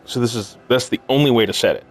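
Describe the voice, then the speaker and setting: A sleep-deprived man thinking aloud as he plays a puzzle game, muttering haltingly to himself in casual commentary. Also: mid-range voice. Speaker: gaming video host. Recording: music behind the voice. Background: game music.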